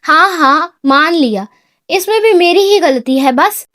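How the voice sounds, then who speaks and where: A man's voice: extremely high pitch, lively intonation, sharp tone, no echo, studio quality, exaggerated voice. A woman voicing a strict older brother and businessman who speaks curtly and with exasperation. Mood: stern. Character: stern, rule-bound older brother, businessman.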